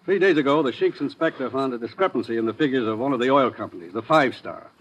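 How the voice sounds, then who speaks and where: An actor playing a brisk, authoritative government commissioner in a 1950s radio drama. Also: male voice, mid-range voice, expressive, fairly bright tone, husky. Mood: brisk, commanding. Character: brisk authoritative male government commissioner sending agent on mission. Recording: dull old radio recording.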